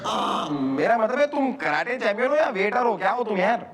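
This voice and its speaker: A man's voice: high-pitched, animated, moderate pace. An actor playing an old grandfather in a comedy police station who teases people and mangles English phrases. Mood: joking. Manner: broken English catchphrases, teasing.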